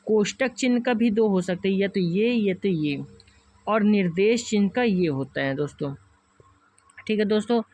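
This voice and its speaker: Hindi-speaking teacher walking through exam questions. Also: male voice, high-pitched, normal speed, darkish tone. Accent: Hindi, north Indian. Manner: addresses viewers as friends, walks through each option repeatedly. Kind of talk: online class lecture.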